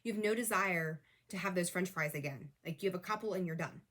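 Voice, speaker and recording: A middle-aged woman with a slightly low voice gives a casual tarot reading to her viewers. She coaches them earnestly, repeating her points over and over. Her voice is wearing thin, and she clears her throat now and then. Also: fast talker, a bit bright. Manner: earnest, repetitive coaching, talks straight to viewers. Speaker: tarot reader.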